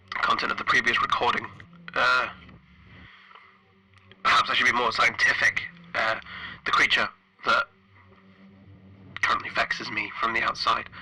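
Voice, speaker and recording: A man playing an anxious, isolated spaceship engineer recording log entries, halting and stammering, his phrases trailing off breathily. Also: medium pitch, bright, forceful tone, slight background noise, rough recording. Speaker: player of a solo tabletop horror game. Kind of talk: in-character audio log, dramatic monologue.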